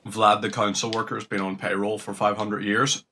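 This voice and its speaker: A man's voice: on the low side, little pitch movement, normal speed, bright, forceful tone, slight background noise. A young man casually commentating on a game, jokey and rambling, swearing now and then. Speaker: gaming streamer. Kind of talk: casual commentary while playing.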